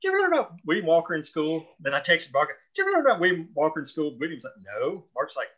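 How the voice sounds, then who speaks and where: A man chatting casually and informally in an animated way, on slightly lo-fi audio. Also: on the high side, very fast. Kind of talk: casual chat.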